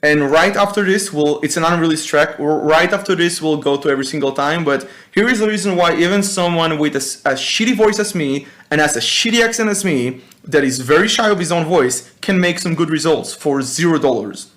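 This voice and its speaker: A man from Israel with an Israeli accent, talking casually as a music producer in a hesitant, halting way, swearing now and then. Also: a little high, fairly bright tone. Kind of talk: casual workshop talk.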